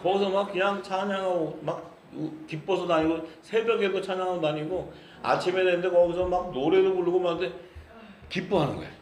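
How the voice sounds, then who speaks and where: A man's voice: high-pitched, fairly even intonation, a little fast, a little mellow. A man from Busan, preaching a sermon as pastor in a jovial, laughing manner and reading scripture. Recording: echoey church hall with congregation. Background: congregation answering amen.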